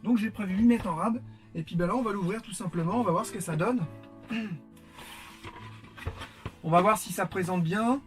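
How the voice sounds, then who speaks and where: Man, high-pitched, casual unboxing chat, filler-heavy, faint guitar music. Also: normal speed, long pauses. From France. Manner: chatty, many fillers, warm greetings to viewers. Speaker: vlogger.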